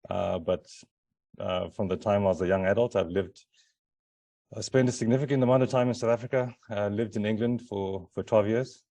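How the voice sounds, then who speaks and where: A man's voice: lowish voice, normal speed, gravelly, dark tone, dry recording. A middle-aged man from Zimbabwe giving a conference talk, hesitant, with many fillers and restarts. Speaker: conference presenter.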